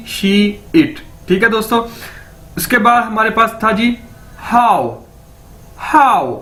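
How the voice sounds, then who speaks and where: A man's voice: high-pitched, pushed and bright. A man with a Pakistani Urdu accent teaching a language lesson, patiently repeating each word and checking in with his viewers.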